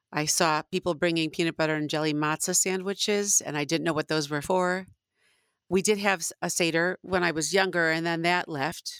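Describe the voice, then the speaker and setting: Recorded dry and close with no echo against a silent background on a very clean recording, the speaker uses monotone, flat intonation at a moderate pace in an American accent. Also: woman, fairly low pitch for a woman. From Chicago area, US Midwest. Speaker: teacher. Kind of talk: interview, personal life story.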